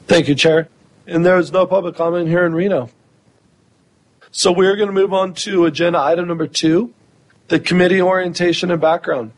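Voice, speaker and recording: A man's voice: sits high, fairly even intonation, moderate pace. A man chairing a public committee meeting, loose and self-deprecating, a bit flustered as he runs the agenda.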